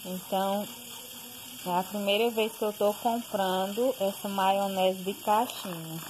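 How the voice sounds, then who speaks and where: Slow-talking woman listing groceries. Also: mid-range voice, steady tone. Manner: slow, plain listing with fillers. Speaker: home cooking and grocery vlogger. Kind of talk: casual voice-over listing groceries. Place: home kitchen. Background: pressure cooker hissing.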